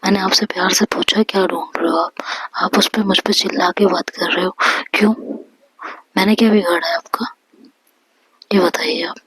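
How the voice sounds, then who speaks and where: A woman whispering the part of a defiant, sharp-tongued young woman in a whispered role-play, snapping out rapid retorts. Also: mid-range voice, fairly even intonation, slightly rough, dry recording, low-quality recording. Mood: scolding.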